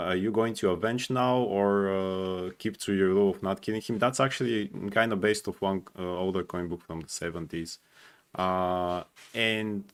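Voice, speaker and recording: A man chatting casually and giving his opinions as a fan panelist, often halting and repeating words as he goes. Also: lowish voice. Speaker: panelist on a fan ranking show.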